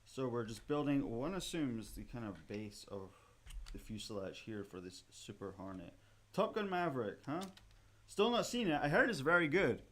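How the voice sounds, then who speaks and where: A Scottish man talks loosely and chattily on a museum livestream as he pieces a model kit together. His voice sits at an everyday middle pitch. It dips low and quiet while he concentrates, then jumps up bright and loud when he gets excited, with plenty of "um" and "you know" along the way. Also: normal speed. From Scotland. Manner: rambling and chatty, with many fillers and restarts; animated, with sudden rises in pitch and loudness when excited.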